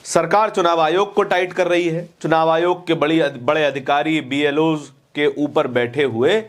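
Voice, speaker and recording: A man's voice: a little high, fairly even intonation, normal speed. A man presenting opinionated news commentary, speaking emphatically with repeated phrases and rhetorical questions.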